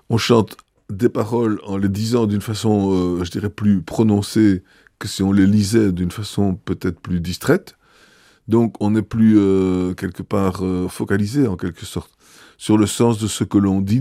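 A man, a bishop answering interview questions in a thoughtful, hesitant way with many pauses. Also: on the low side, warm tone, dry recording, clean studio sound.

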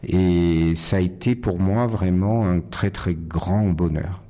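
A middle-aged man from Nice, a concert pianist, answering interview questions thoughtfully with many pauses and restarts. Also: low-pitched, warm tone. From Nice, France.

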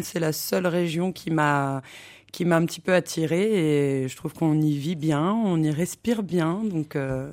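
A woman from the Paris region answering radio interview questions, often pausing on filler sounds. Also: low voice, a little mellow. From Paris region, France. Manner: hesitant, many filler sounds. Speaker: interview guest, animal care worker.

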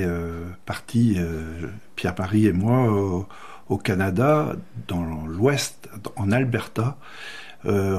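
A man's voice: fairly low pitch, a little mellow, slightly rough. A man, an association's president, speaking enthusiastically as a radio guest. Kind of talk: radio interview.

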